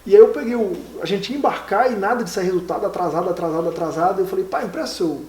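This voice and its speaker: A man being interviewed, telling a personal story in a casual, lively and emotional way, with many fillers. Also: sits high, very fast. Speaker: interview guest, exam candidate. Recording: echoey room, mic from a distance.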